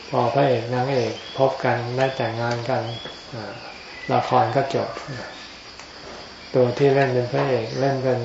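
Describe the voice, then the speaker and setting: Slow, monotone murmuring monk, echoey recording. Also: male voice, medium pitch. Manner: unhurried teaching in short phrases with pauses. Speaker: Buddhist monk giving a Dhamma talk. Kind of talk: informal Dhamma sermon. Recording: echoey, dull lo-fi, noisy with insects.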